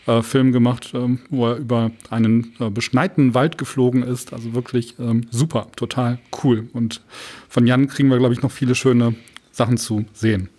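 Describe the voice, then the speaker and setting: A man's voice: mid-range voice, flat delivery, moderate pace, warm tone. A man co-hosting a podcast in a casual, chatty style. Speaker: podcast co-host.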